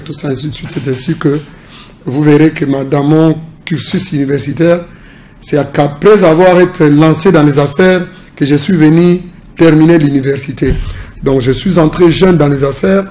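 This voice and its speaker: A middle-aged man with a Congolese French accent speaks in a formal, measured way, as a political analyst and businessman would. His pitch sits a little high, but his tone stays mellow and dark. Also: slight background noise. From Congo Central, DR Congo. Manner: measured, formal, mixes in Lingala. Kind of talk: interview.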